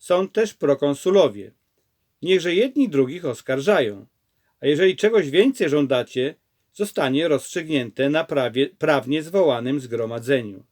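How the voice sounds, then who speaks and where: A man reading out an ancient city clerk addressing an unruly assembly, read in a steady, unhurried voice that sits a little high for a man. It is a plain scripture reading. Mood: calming. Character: male city clerk calming a crowd.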